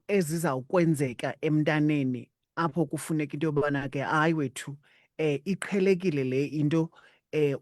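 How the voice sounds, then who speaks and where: A South African woman hosts an interview in a low-pitched voice. She asks conversational questions, recorded close and dry. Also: a little mellow, no echo. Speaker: interviewer, host.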